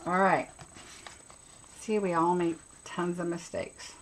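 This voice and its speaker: A woman's voice: fairly low pitch, flat delivery, slow, slight background noise, low-quality recording. A woman giving a casual live craft tutorial as host, chattily talking herself through each step.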